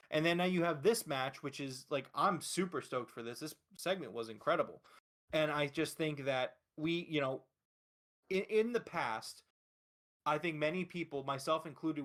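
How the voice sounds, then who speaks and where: With a mid-range, slightly bright voice, the podcast host holds forth on wrestling. He's casual, emphatic and opinionated, and curses a lot.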